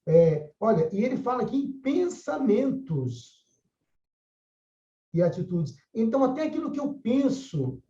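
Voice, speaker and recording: Older male class mediator, casual and animated, muffled roomy audio. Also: very high voice, unhurried. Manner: conversational, frequent tag questions. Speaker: course mediator. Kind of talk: religious study class.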